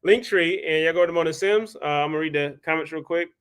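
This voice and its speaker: A chatty man hosting a live stream. His voice sits a little high for a man, and he talks loosely, with plenty of fillers, calling out viewers by name. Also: quick pace, fairly bright tone, clear, resonant tone. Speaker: host. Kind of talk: casual live-stream chat.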